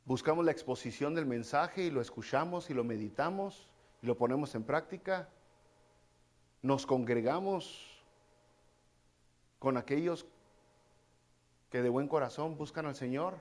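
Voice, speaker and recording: A man's voice: medium pitch, unhurried, long pauses, a little mellow. A man preaching a casual, conversational sermon, repeating key phrases and calling his listeners brother. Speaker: pastor.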